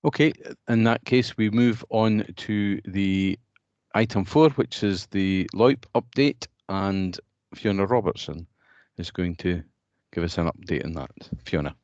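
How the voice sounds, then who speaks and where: A deep-voiced man chairs an online meeting, pausing often and restarting his sentences. His audio comes through a dull, dry video call line with no room around it. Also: a little mellow, no room sound. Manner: hesitant, many fillers and restarts.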